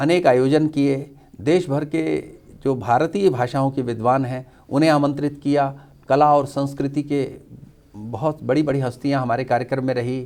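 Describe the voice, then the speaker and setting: With ordinary pitch variation, a man talks in a fairly high pitch. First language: not Hindi (speaking Hindi). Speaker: writer and editor. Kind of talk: interview. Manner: formal.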